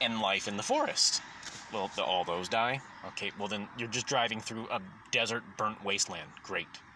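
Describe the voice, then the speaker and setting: Against noticeable background noise, a man of medium pitch speaks at a moderate pace with fairly even intonation. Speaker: political commentator vlogger. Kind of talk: casual monologue. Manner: halting, many fillers; stutter over a word.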